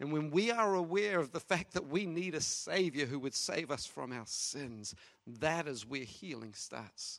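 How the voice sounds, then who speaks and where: Speaking with a New Zealand accent, a man talks fairly slowly at a fairly high pitch. His tone is animated and his intonation lively. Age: 40s. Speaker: pastor. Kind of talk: sermon. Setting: church.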